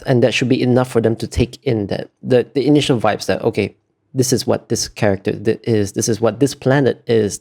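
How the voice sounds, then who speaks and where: Fairly low, gravelly, and darkish in tone, the voice belongs to a concept artist in an interview. He speaks in a relaxed, reflective way, stopping often while he hunts for words.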